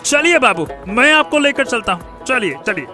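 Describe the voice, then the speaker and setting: A man voicing an eager young male servant in a cartoon, pleading and excitable, greedy for meat. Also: very high-pitched, moderate pace, faint music behind, voice pushed up, full character voice.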